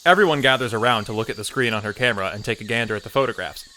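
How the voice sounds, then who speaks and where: A man's voice: lowish voice, racing, bright, forceful tone, slight background noise, rough recording. A man playing a wry narrator of an audio drama, reading scripted scene descriptions. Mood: wry, descriptive.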